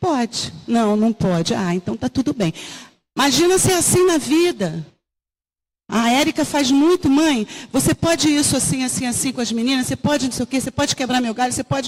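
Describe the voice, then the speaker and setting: A woman with a high pitch and very wide pitch swings, recorded dry and close with no echo. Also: fairly quick pace. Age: 60s. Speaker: preacher. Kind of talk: sermon.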